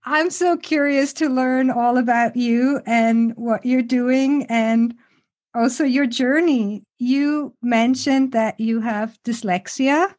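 A woman's voice: on the high side, takes it slowly, a little mellow. A woman hosting a podcast in a bubbly, talkative way, introducing her show and her guest. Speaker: podcast host and coach.

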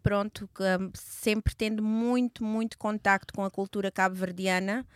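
Woman, 30s, from Portugal; mid-pitched, hesitant interview guest full of fillers, dry close mic. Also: fairly even intonation, normal speed, smooth, dry recording. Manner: hesitant, with many fillers and restarts. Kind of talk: conversational interview.

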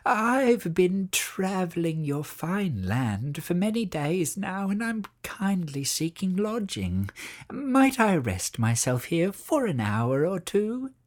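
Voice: mid-range voice, big pitch swings, slow pace, voice pushed up. A storyteller putting on a cackling greedy old witch. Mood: falsely humble. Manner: cackling, sing-song.

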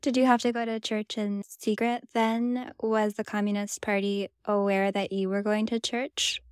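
A woman's voice: mid-range voice, level tone, moderate pace, smooth, no room sound. A woman interviewer asking curious, casual follow-up questions. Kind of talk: conversational interview.

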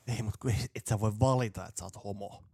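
A man's voice: on the low side, creaky, mellow, dry recording, studio quality. A young man co-hosting a casual drinking podcast, talking bluntly and crudely with jokes. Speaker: podcast co-host.

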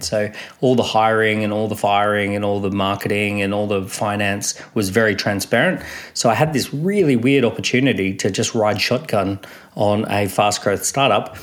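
A man on the low side of the range. He is an entrepreneur guest giving relaxed, conversational answers in an interview. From Australia.

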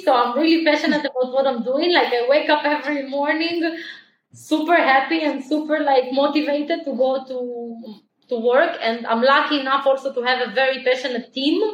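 A woman, a company founder answering podcast questions in quick, eager talk full of fillers. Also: sits high, dull audio, slight background noise. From Ukraine, raised in Israel. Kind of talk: podcast interview. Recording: roomy echo.

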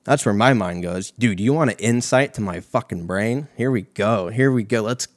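A man's voice: on the low side, moderate pace, dry recording, studio quality. A young American man hosting a comedic monologue, telling stories in a rambling, profane, slangy way. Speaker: host of a comedic talk show.

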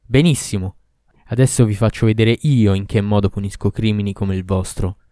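A man voicing a cruel, furious male demon who shouts accusations and orders in a storybook reading. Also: fairly low pitch, steady tone, moderate pace, no room sound, clean studio sound, natural voice. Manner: loud, commanding, accusing.

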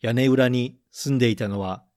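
A man reading a picture book aloud and running a gentle English vocabulary quiz for children, saying each line in English and then in Japanese. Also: medium pitch. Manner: slow, careful delivery, repeating each point in English then Japanese. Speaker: storybook reader and English teacher.

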